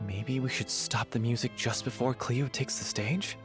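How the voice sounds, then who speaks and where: A man's voice: medium pitch, steady tone, moderate pace, natural voice. A man playing a practical, businesslike member of a theatre troupe in a video game. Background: game music.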